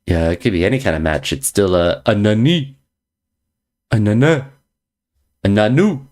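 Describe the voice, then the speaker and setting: A man's voice: on the low side, expressive, normal speed, darkish tone. A man streaming chess, chatting casually with viewers in a playful, teasing way, repeating jokey slang phrases. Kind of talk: casual chat reading viewer messages.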